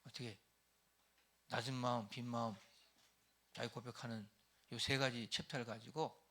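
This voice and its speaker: A middle-aged man pastor preaching a lively sermon to church leaders, acting out everyday quarrels in raised voices. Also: medium pitch, normal speed.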